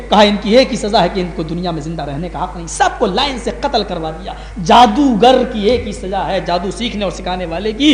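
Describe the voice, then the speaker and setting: A male Islamic preacher giving a sermon to a gathering, telling stories with passion and rising high on key words. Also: a bit bright, a little hiss or hum. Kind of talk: Urdu sermon with dramatic storytelling. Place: large hall, live gathering. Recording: echoey hall with long reverb.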